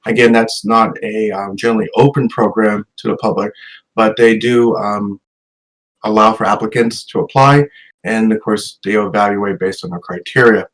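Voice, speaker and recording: Man, middle-aged, slide presentation, lots of ums, lowish voice. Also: steady tone, normal speed, low-quality recording. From Massachusetts. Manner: hesitant, many ums. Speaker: educator presenting a talk.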